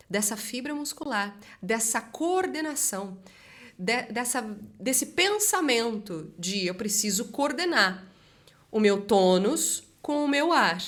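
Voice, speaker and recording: A woman speech therapist teaching a voice exercise lesson in an energetic, direct coaching manner. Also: a little high.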